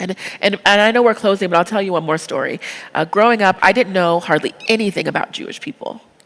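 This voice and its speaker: The speaker races along at a very fast pace with ordinary pitch variation, over noticeable background noise. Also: woman, medium pitch for a woman. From grew up moving around, military family. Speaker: state legislator. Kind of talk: Q&A at a church forum. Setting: church forum with in-person and online audience.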